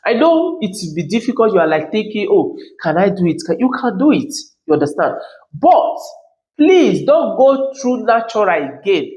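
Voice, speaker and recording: A woman with a Nigerian accent talks straight to her viewers, pressing each point and checking again and again that they follow. Her voice is of middle pitch, and the room rings around her with a clear echo. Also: sing-song, normal speed, mellow, lo-fi sound. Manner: emphatic, keeps asking "you understand?". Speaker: commentary channel host. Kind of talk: reaction commentary monologue.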